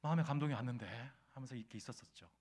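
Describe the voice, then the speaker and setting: A middle-aged male pastor preaching a sermon, telling a story and asking his congregation questions, rising loud when moved. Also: medium pitch, racing. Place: church sanctuary.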